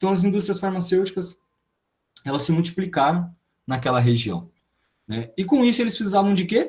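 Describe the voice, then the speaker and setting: Using lively intonation, a man with a high pitch talks at a fairly quick pace broken by long, frequent pauses. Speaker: study group presenter. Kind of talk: seminar presentation. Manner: fast; halting.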